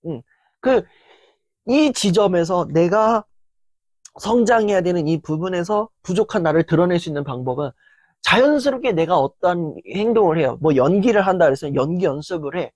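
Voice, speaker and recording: An earnest motivational lecturer whose voice has gone tired after a long filming session, speaking in a dry, close sound. They talk steadily at a middling pitch and act out inner voices in sudden loud bursts. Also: lively intonation, moderate pace, no room sound. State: voice worn down after hours of filming.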